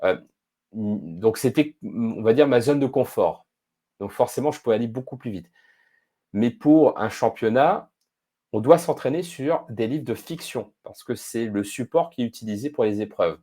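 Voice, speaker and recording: A man being interviewed as a guest on a podcast, explaining his expertise in a thoughtful, measured way with frequent hesitations. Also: medium pitch, expressive, warm tone.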